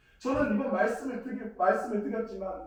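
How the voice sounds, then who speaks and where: A man with an extremely high pitch at a moderate pace, ordinary pitch variation, noticeable background noise and audible room echo. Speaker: pastor. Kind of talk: sermon. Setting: church.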